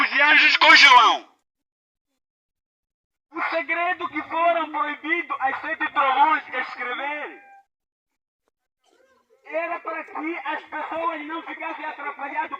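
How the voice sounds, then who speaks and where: A man preaching a sermon fervently and slowly, at times rising to a shout. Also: very high-pitched. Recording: dull, noisy lo-fi recording.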